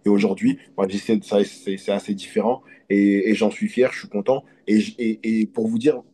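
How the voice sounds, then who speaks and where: A man from Côte d'Ivoire, a hypnotist, talking in an earnest, reflective and halting way as an interview guest. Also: lowish voice, flat delivery, mellow, slight background noise. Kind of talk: casual interview conversation.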